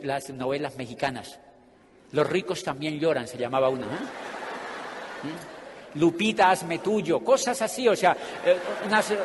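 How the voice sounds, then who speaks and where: A man giving a humorous motivational talk to an audience, telling a story about his own past and acting out the scenes with big swings in his voice. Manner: animated, acts out scenes with big pitch swings. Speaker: motivational speaker. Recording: echoey hall with faint ambient noise.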